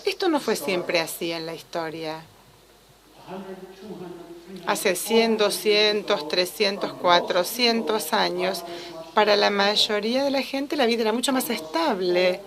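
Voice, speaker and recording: A woman interprets a lecture live, keeping a steady, fluent flow with only the odd restart. Her voice sits at an ordinary middle pitch. The sound of a gathered audience is clearly heard behind her. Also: a little slow, a crowd in the background. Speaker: simultaneous interpreter.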